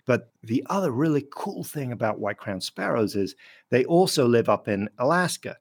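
A man's voice: mid-range voice, expressive, moderate pace. A man from France, a biologist guest, explaining thoughtfully in a radio interview and chuckling now and then.

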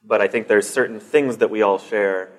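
A man from Denver, speaking thoughtfully in an interview with frequent halting restarts. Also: lowish voice, steady tone. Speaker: guest. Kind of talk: conversational interview.

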